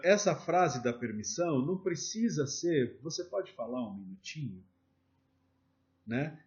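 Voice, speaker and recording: A man's voice: mid-range voice, darkish tone, dull audio. A man with a Brazilian Portuguese accent teaching a sales lesson, speaking straight to viewers and walking through examples. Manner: instructive, addresses viewers directly with examples. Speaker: sales trainer.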